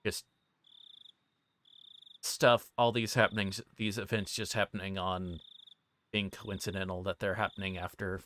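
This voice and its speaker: A man livestreaming a visual novel, reading text aloud and commenting casually in a halting, informal way. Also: low voice, level tone, a bit bright, a little hiss or hum. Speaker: streamer.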